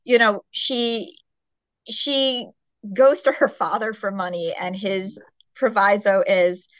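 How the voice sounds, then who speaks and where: A woman's voice: medium pitch, steady tone, slow pace, no room sound, muffled recording. A woman hosting a podcast, chatting casually about books in a peppy, enthusiastic, gushing way. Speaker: podcast host. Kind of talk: casual book chat interview.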